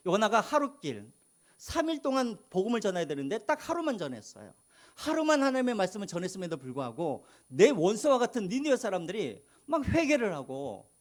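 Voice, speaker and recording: A male pastor with a high-sitting voice preaches a sermon, asking the congregation questions and answering them himself.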